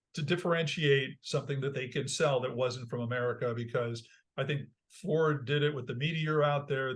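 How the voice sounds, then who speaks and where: A man hosting a car podcast in a studio, chatty and enthusiastic, with loud intro announcements. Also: mid-range voice. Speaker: podcast host. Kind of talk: casual talk show hosting.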